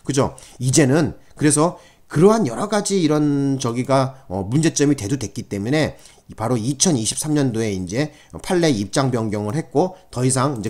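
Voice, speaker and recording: A man's voice: medium pitch, a little mellow. A middle-aged man lecturing on criminal law for exam candidates in a conversational way, with frequent fillers and checks for agreement.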